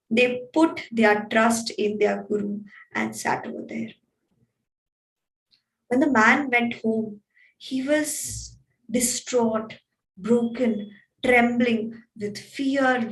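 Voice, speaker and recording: A woman wellness coach telling a story slowly and deliberately in a talk. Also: fairly high pitch. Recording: echoey room, distant mic.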